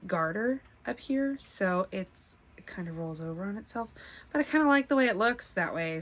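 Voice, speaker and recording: A woman's voice: mid-range voice, fairly bright tone. A congested, slightly nasal woman, chatting casually to camera from her home craft room, laughing often and filling with ums. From United States. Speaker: podcast host.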